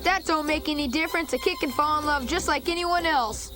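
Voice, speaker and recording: A woman's voice: sits high, a little fast, natural voice. A woman voicing an earnest, stubborn little boy with a Southern US accent in a cartoon. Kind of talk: animated cartoon dialogue. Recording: music behind the voice.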